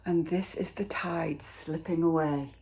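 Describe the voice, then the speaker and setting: A woman teacher reading a rhyming children's picture book aloud in an expressive, rhythmic way, drawing out words. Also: deep voice, a little slow, gravelly, rough recording.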